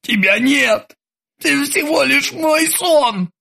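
A man voicing a frantic nightmare ghoul who shouts in hysterics. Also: very high voice, animated, slow pace, gravelly, pitched above the performer's own voice, heavily acted. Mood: hysterical.

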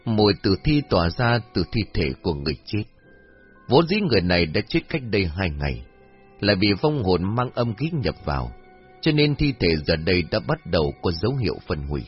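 A man voicing a solemn old male exorcist master who explains in a grave, measured way. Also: deep voice, sing-song, husky, soft background music, exaggerated voice. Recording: dull lo-fi recording.

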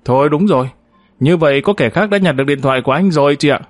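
A man's voice: a little high, fast, dry recording, faint music behind, lightly acted. Male narrator as a cool-headed, clever driver, dry and close. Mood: calm. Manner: calm, level-headed. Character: calm, clever male driver, young adult.

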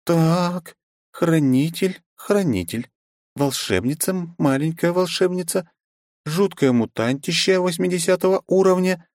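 A man voicing a bubbly, pushy young woman in an audiobook, speaking high and gushing. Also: unhurried, darkish tone, no echo, clean studio sound, close to an everyday voice. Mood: bubbly bossy.

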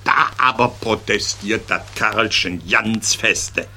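Male comedian, slow deliberate joke teller, bright lively voice. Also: lowish voice, creaky. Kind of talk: joke telling.

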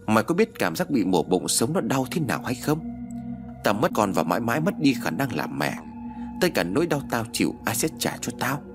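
A man's voice: medium pitch, big pitch swings, fairly quick, music in the background, close to an everyday voice. A man voicing a scheming, vengeful older village woman who taunts and gloats in a spoken story. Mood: taunting.

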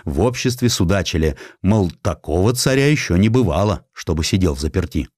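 A man's voice: low-pitched, expressive, fairly quick, a little mellow, husky, no room sound, clean studio sound. A man narrating historical sketches as an audiobook, reading expressively with a theatrical storytelling manner. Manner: theatrical storytelling, acting out quotes.

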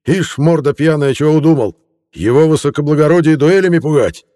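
A man's voice: fairly high pitch, a little fast, mellow, pitched above the performer's own voice, close to an everyday voice. A man voicing an enraged, commanding town governor who roars orders. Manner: roaring, commanding. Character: furious older male town governor, bellowing.

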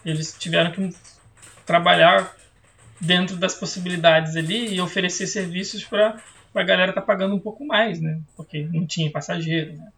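A man's voice: sits high, steady tone, normal speed, gravelly, bright, forceful tone. A man co-hosting a podcast, telling a story in a laid-back, slangy way full of fillers. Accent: Brazilian Portuguese. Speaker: podcast co-host. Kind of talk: casual chat over a video call.

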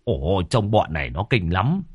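A panicked middle-aged village healer stutters his way through every sentence in this spoken horror tale, as a man puts him on. The voice leaps around wildly in pitch and sits dry and close to the mic. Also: very animated, measured pace, breathy edge, dry recording, exaggerated voice. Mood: stammering fright. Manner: stammering, panicky.

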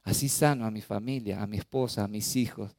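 A man preaching a sermon as pastor, expressive and acting out the voices he quotes. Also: fairly low pitch, brisk, no room sound, studio quality.

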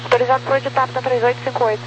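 A woman's voice: high-pitched, level tone, racing, lo-fi sound. A Brazilian woman working as an air traffic controller, giving procedural instructions over the radio. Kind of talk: radio instructions in set phraseology. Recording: noisy, humming radio channel.

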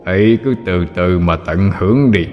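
An ancient forest demon king speaks in a slow, booming, drawn-out voice that sounds doubled and demonic from a processed effect, as a male storyteller puts him on. The tone is very deep and menacing. Faint music plays softly behind the voice. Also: muffled recording. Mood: gloating. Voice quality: echoing, booming through the forest. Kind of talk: storybook narration with character voices.

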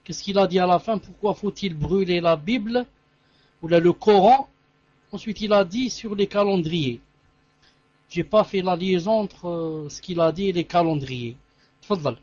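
A man's voice: high voice, a little slow, darkish tone, no room sound. A man on an online call, asking clarifying questions and using Arabic fillers. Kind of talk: casual call talk. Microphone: online audio call. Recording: muffled lo-fi audio.

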